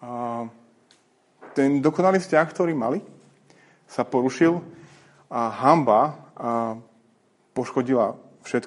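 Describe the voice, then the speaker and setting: Speaking in an eastern Slovak accent, a man with a fairly high pitch talks at a fairly slow pace, with ordinary pitch variation and long, frequent pauses. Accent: eastern Slovak dialect colouring. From eastern Slovakia, Prešov. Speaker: visiting preacher. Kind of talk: sermon. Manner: halting, with repetitions.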